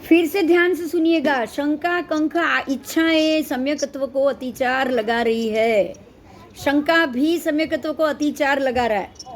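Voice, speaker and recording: A middle-aged woman teaching a scripture lesson, explaining slowly and often quizzing her listeners. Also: high voice, a little hiss or hum. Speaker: religious teacher.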